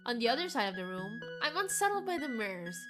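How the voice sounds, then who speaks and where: Animated, higher-pitched woman reading aloud. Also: fast. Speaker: game streamer. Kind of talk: reading visual novel narration aloud. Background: game music.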